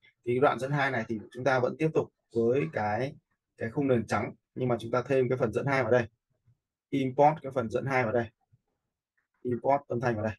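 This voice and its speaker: A man giving a casual, step-by-step software tutorial, informally checking in with listeners as he goes. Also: medium pitch, fairly even intonation, a little fast, husky, poor audio. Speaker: video editing instructor. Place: indoors, voice-over for a screen recording.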